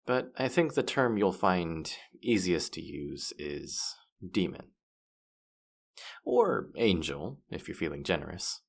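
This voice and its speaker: A man plays a smug demon guide of the afterlife in a fantasy audio drama. His voice sits very low with a gravelly fry, and he takes his time over each line. He is playful and teasing, quick to boast and to act wounded. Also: big pitch swings, exaggerated voice. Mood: explaining, hesitant. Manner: playful, smug, mock-offended, hesitating mid-thought. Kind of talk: scripted character audio roleplay addressed to the listener.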